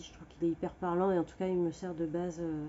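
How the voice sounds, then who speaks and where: A woman talks in a fairly low pitch with fairly even intonation. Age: 40s. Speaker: Reiki teacher and card reader. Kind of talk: casual self-introduction vlog. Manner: halting, many filler hesitations.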